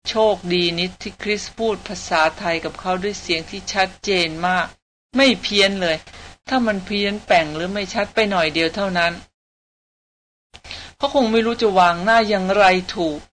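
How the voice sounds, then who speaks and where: A woman reading a novel aloud as an audiobook narrator, in an even, steady storytelling manner. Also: mid-range voice, normal speed, a little hiss or hum.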